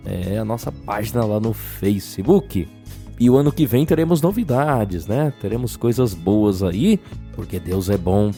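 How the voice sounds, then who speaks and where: A slightly hoarse Brazilian man hosting a casual religious radio show in a chatty way, often adding little tag questions. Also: mid-range voice, mellow. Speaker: radio host.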